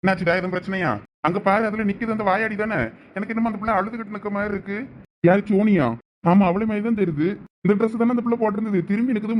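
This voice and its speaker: A man's voice: high voice, slight background noise, natural voice. A man playing a senior student, keeping up a nosy running commentary on what he sees. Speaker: senior student in a comedy skit.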